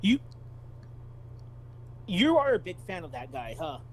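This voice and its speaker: High-voiced man in casual podcast chat. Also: big pitch swings, a little slow, a little mellow, slight background noise. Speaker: podcast co-host. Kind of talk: casual, informal conversation.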